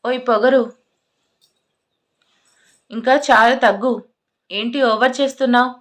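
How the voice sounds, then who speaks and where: A woman's voice: fairly high pitch, steady tone, unhurried, close to an everyday voice. A woman voicing an irritated young man who scolds and demands answers, in a storybook reading. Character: angry, blunt young man, quick to anger.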